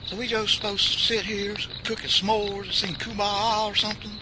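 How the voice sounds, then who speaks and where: Man putting on a shrill jittery old hillbilly. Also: little pitch movement, moderate pace, close to an everyday voice. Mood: agitated. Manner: whiny and agitated. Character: jittery high-strung old backwoods man Jesse. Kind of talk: amateur radio drama. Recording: loud outdoor noise, crickets.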